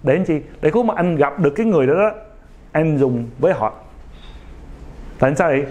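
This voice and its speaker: A man giving a casual motivational talk to young viewers. He speaks haltingly, with many fillers, an imperfect accent, and a frequent "ok?". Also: a little high, expressive, a little mellow, dull audio.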